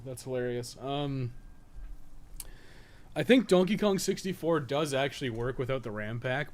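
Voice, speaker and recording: A man's voice: mid-range voice, darkish tone. Wry, rambling man streaming over game noise. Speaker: live streamer, podcast co-host. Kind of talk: casual game stream chatter. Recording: game audio noise behind voice.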